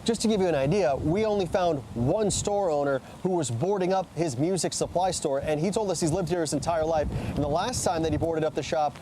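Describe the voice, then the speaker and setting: High-pitched American man shouting over storm wind. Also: a little fast, few pauses. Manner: projecting loudly over wind. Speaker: field weather reporter. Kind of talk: live storm reporting. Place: outdoors in a storm, parking lot. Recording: clear wind and storm noise outdoors. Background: wind, rain.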